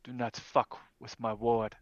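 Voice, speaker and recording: A man of medium pitch plays a tabletop role-playing game in a dry, close recording. He delivers his character's lines bluntly and casually, swearing freely. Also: little pitch movement, measured pace, no echo, highs cut off.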